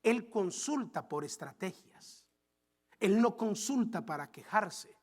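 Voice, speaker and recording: A male pastor preaching a sermon, dropping to quiet low asides and then rising loud and high as he acts out people's complaints, repeating phrases for emphasis. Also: expressive, slow.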